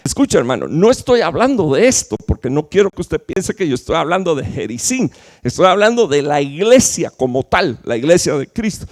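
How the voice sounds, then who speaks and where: A man preaching a sermon to his church, emphatic, with rhetorical questions and sudden loud peaks followed by low, quiet drops. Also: big pitch swings, fairly quick. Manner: fillers and restarts while explaining. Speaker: pastor.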